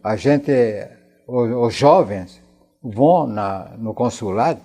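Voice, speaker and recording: Elderly French man, halting and mellow. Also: medium pitch, expressive, husky. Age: 90s. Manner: halting, repeats words and phrases. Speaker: interview guest, war veteran. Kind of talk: conversational recollection in a television interview.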